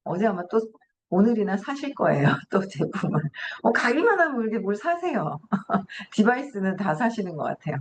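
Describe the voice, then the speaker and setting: A woman's voice: medium pitch, sing-song, moderate pace, a little hiss or hum. A middle-aged woman hosting a morning book talk, reading passages aloud and reflecting on them chattily. She often asks herself questions and laughs as she goes. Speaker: host.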